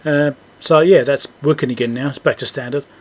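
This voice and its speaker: Thinking aloud as he goes, a man hosting repairs talks through a technical job off the cuff, his medium-pitched delivery casual and halting.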